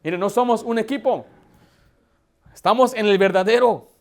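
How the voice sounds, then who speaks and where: A man's voice: high voice, normal speed, vocal fry. A man who is a pastor preaching a sermon, telling family stories and addressing the congregation directly. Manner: storytelling with acted quotes and direct address.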